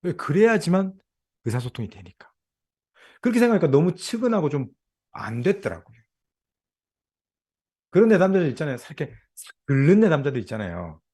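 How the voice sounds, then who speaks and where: Middle-aged male lecturer, animated delivery, chatty with the room. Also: fairly high pitch, brisk, pauses often, husky. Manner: conversational, asks audience questions. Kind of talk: lecture to counselors.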